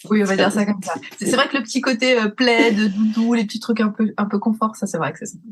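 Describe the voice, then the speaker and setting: A woman talks at a very fast pace and a fairly high pitch, keeping her intonation fairly even. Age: 30s. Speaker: therapist, emotional eating coach. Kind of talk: podcast interview.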